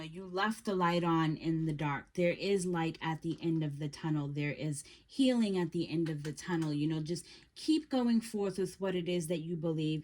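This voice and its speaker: A woman giving a casual tarot reading, talking in a gentle, reassuring way and often halting with fillers and restarts. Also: on the low side. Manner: gentle, reassuring second-person advice. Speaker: tarot reader.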